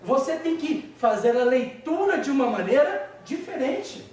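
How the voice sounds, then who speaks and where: A man playing a calm, patient spiritual teacher. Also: extremely high pitch, a little hiss or hum. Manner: slow, gentle, patient. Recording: echoey hall, speaker far from mic.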